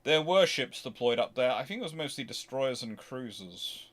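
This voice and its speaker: Male history stream host, mid-pitched, casual and unscripted, digressive, hesitant delivery with frequent self-corrections. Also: animated, normal speed. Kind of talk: casual unscripted question-and-answer talk.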